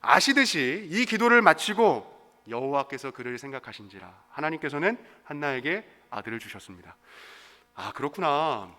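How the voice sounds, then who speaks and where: A man's voice: a little high, pushed and bright. A young adult man preaching a sermon in a conversational way, full of rhetorical questions. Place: church sanctuary. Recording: long church-hall reverb.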